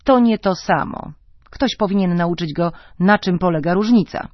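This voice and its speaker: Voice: medium pitch, wildly swooping pitch, fairly quick, no echo. A reader voicing a tired, self-satisfied Italian husband who answers with curt, defensive retorts, heard in a slightly dull, dry recording. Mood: brusque.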